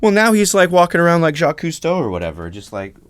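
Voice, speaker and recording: A man's voice: a little high, wildly swooping pitch, fast talker, no echo. Chill podcast cohost guy, voice bounces up and down a lot, dry sound. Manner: laid-back, lots of agreeing. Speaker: podcast co-host. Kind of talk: casual podcast chat.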